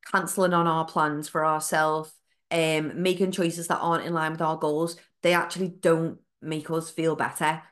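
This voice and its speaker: A young woman chats through a solo fitness podcast, her voice nasal and bunged up from a cold. She sits a little low in pitch and keeps things friendly and encouraging, with plenty of ums and likes along the way. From United Kingdom. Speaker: podcast host, fitness coach. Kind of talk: casual solo podcast talk.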